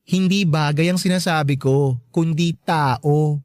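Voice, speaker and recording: An actor playing a sassy, campy gay best friend in a Tagalog radio drama, teasing and bluntly caring, drawing out emphatic words. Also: male voice, a little high, a little slow, a little mellow, no room sound, clean studio sound, close to an everyday voice.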